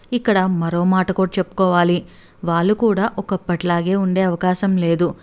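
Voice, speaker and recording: A woman narrating a story in a measured, reflective reading. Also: lowish voice, a little mellow, clear, resonant tone.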